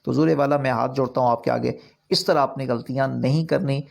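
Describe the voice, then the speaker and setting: Gravelly-voiced man teaching a recitation class. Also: medium pitch, fairly even intonation. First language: not Urdu. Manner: earnest, repetitive explaining with rising emphasis. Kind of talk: online course lecture.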